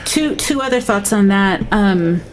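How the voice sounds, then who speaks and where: Woman, middle-aged, counselor, podcast guest, earnest, mid pitch. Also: a little slow, slight background noise. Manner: earnest, acts out quoted speech in lively voices. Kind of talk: podcast interview.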